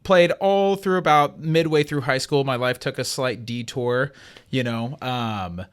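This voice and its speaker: Regular-pitched guy, podcast guest, laid back, lots of ums while telling his story. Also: a little slow, clear, resonant tone. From United States. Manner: easygoing storyteller, hesitant with fillers. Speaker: guest, CrossFit coach and athlete. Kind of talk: casual podcast interview.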